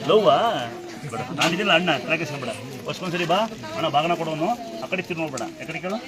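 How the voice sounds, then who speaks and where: A man's voice: on the high side, racing. A man at a busy temple gathering, scolding and consoling people in turn like a father. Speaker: temple elder handing out offerings. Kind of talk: speaking to devotees in a crowd. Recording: loud crowd behind.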